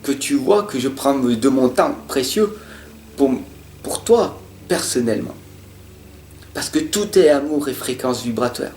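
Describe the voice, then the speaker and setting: A man giving a monthly horoscope reading from tarot cards, talking in an earnest, repetitive motivational way, stuttering at times and swinging between loud and soft. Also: medium pitch, animated, a little slow, pauses often, a little hiss or hum. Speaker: tarot reader. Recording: roomy sound with faint guitar music.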